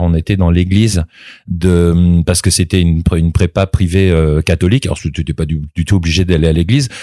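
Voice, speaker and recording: A man's voice: deep voice, mellow, no room sound, studio quality. A man in his thirties, a voice actor being interviewed, talking casually with many fillers and restarts. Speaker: voice actor guest.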